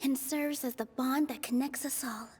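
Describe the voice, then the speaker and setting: A woman voicing an earnest young female dancer in a video game, who speaks softly and sincerely. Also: high voice, steady tone, moderate pace, breathy edge. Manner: soft, sincere, inner-monologue murmurs.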